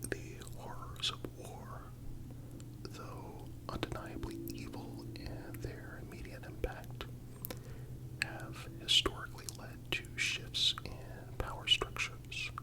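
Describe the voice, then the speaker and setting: Slow, soothing ASMR whisperer. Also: low-quality recording. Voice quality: soft, breathy unvoiced whisper. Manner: soothing, measured, contemplative. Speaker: ASMR narrator. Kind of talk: whispered ASMR scripted philosophical narration.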